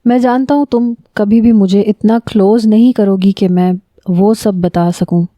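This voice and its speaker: A woman voicing a smooth-talking young man who calmly asks probing, personal questions. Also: medium pitch, dry recording, natural voice.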